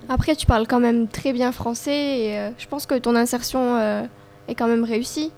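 A woman's voice: on the high side, moderate pace, darkish tone. A young woman hosting a casual student round-table, speaking in a conversational, somewhat hesitant way. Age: young adult. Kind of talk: casual moderated student discussion.

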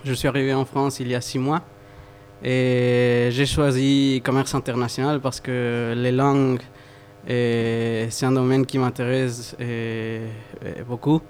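A young man whose first language is Spanish introduces himself at a mid pitch, with halting phrases and many fillers. A faint hum sits behind his voice. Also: flat delivery, darkish tone. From Mexico. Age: 20s. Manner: hesitant, many pauses and fillers. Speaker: student. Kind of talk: self-introduction.

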